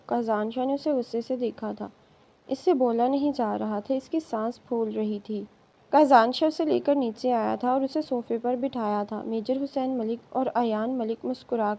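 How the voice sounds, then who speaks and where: A woman narrating a romance novel in steady, dramatic storytelling. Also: a little high, dull audio. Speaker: novel reader.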